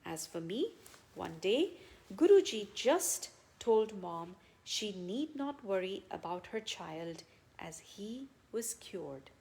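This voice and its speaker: A woman reading a written devotional account aloud as narration, in measured phrases with frequent pauses. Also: mid-range voice, very animated, creaky, dark tone. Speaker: reader of devotional testimonials.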